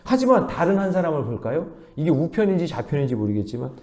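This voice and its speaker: Brief: male pastor, early morning sermon, lively swings of pitch, warm mellow tone, leads the congregation in reading verses. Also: fast. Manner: animated, questions the congregation.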